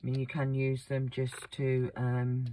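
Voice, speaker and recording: A woman with a croaky, slightly sore-throated voice talks through a wax seal craft demonstration in a relaxed, rambling way. Her pitch stays flat and level, and she fills pauses with frequent ums. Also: background noise. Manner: relaxed, chatty, many ums. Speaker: craft channel host.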